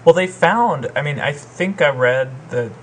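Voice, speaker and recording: A man chatting casually over a call while sick with a sore throat, rambling and hesitant with many pauses. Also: fairly high pitch, expressive, a bit bright, slight background noise. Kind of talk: casual chat. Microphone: remote call.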